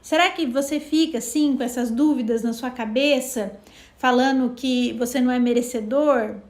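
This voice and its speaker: A woman co-hosts a live self-knowledge talk, explaining things casually and animatedly acting out little dialogues. Her voice is high and her pace normal, with a roomy sound to the recording.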